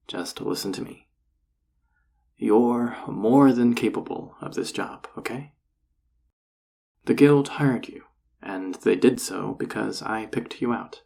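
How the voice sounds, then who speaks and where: A man playing a flirty, encouraging enchanter boss in an intimate roleplay audio drama, teasing and reassuring in a husky, gravelly voice. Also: fairly low pitch, a little mellow, exaggerated voice. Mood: concerned, reassuring.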